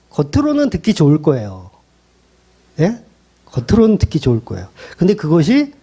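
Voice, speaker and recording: A male pastor with a high-pitched, mellow voice preaches a sermon in blunt, everyday language. He presses his congregation with rhetorical questions.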